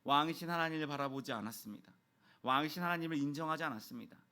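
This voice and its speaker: A man's voice: very fast, sharp tone. A man in his thirties, a pastor, preaching a midweek sermon in a church and acting out quoted dialogue in his stories. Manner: storytelling, acts out quoted dialogue with raised pitch. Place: church sanctuary.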